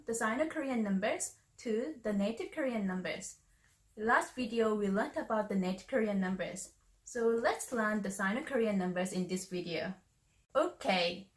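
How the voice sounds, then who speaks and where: A young woman teaching a language lesson, saying each word twice with slow, careful delivery, indoors in front of a camera. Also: fairly high pitch. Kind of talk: slow clear repetition of words. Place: bright indoor room, seated.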